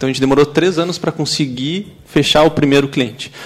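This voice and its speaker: A man at a fairly quick pace, with ordinary pitch variation over noticeable background noise. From Pelotas, southern Brazil. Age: 20s. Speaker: startup co-founder. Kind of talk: radio interview.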